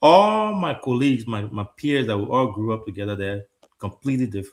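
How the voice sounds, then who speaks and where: A man with a Liberian accent speaks at a medium pitch on a very clean recording with a silent background. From Liberia (Nimba). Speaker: talk show host. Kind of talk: panel discussion. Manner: halting, repeats words.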